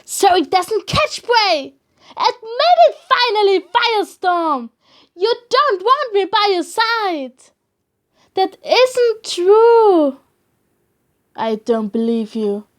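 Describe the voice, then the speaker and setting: A high, unhurried female warrior cat played by a woman, hurt and fiery. She speaks with raw, pleading emotion, as in an animated drama audition. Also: heavily acted. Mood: angry, hurt.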